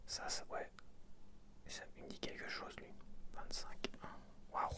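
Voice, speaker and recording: Male ASMR creator. Whispered, casual, unhurried murmuring in short fragmentary remarks, addressed to the listener. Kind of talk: whispered ASMR, casual sticker-unboxing commentary.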